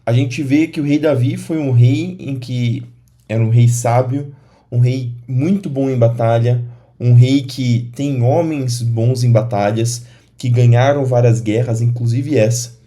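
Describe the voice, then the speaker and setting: A man with a Brazilian Portuguese accent giving informal commentary on a Bible passage, pausing and restarting his phrases. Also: medium pitch, steady tone, mellow. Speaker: church commentator.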